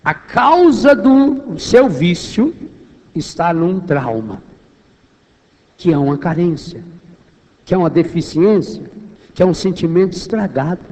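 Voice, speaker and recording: High-voiced Brazilian preacher in an echoing hall. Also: male voice, lively intonation, measured pace, long pauses, dark tone. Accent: Brazilian Portuguese. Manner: emphatic, rhetorical questions, repeats phrases for weight. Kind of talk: charismatic sermon to a congregation. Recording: echoey hall, long reverberation.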